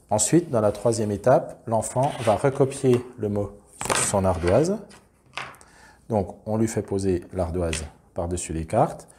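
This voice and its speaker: A man with a low, mellow voice gives a patient classroom demonstration in a teacher's measured tone. He explains each step methodically and plainly, without hurrying. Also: a little hiss or hum. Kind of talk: instructional demonstration.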